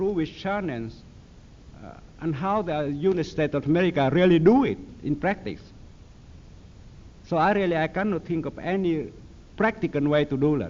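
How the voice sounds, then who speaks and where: The speaker has a Vietnamese accent and a moderate pace. Pitch varies in an ordinary way, with long, frequent pauses. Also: man, high pitch for a man. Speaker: former government official. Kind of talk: lecture. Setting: stage with audience. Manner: halting.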